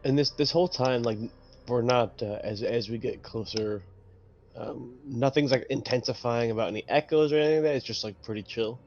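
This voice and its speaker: Male player, average pitch, casual and hesitant, slightly muffled sound. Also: fairly quick, a little mellow. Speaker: tabletop game player. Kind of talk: casual chat.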